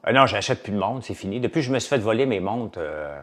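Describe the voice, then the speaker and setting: A man's voice: lowish voice, lively intonation, fast, fairly bright tone. A man with a Québécois French accent, a farmer and business owner, chatting casually to a live audience and rambling from topic to topic with many fillers.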